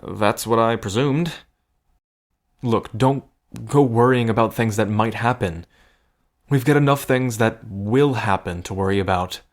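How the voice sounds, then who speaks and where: In a scripted audio drama addressed to the listener, a man plays a protective cousin tangled up in a gambling scheme. His fairly low, natural voice stays conversational at a measured pace, earnest and reassuring with a dry wit, giving it an intimate feel.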